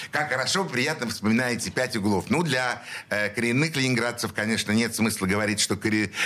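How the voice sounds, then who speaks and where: A normal speaking voice holds very even loudness and ordinary pitch variation. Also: man, medium pitch for a man, moderate pace. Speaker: radio host. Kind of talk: radio interview. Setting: radio studio.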